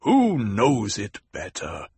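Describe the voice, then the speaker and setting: A grave desert tribal leader, as a male reader voices him, rumbling low and slow. His tone is steady and deliberate. The sound is husky and dry. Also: dry recording, exaggerated voice.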